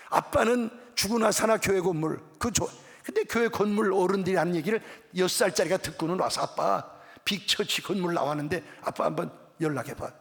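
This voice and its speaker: High-voiced gravelly man preaching. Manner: animated storytelling, acts out dialogue. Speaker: pastor. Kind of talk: revival sermon with storytelling. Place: church sanctuary. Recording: reverberant church hall.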